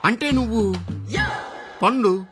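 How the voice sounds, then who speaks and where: A man's voice: high voice, takes it slowly, music in the background. An actor playing a blustering, nosy policeman who questions others theatrically. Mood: probing. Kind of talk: film comedy dialogue.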